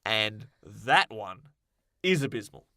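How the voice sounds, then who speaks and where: A man with a bright, punchy voice chats casually as a podcast co-host. He leans on words and repeats them for emphasis. The sound is dry, with very little room in it. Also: lowish voice, lively intonation, takes it slowly, dry recording. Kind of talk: casual podcast chat about film and games.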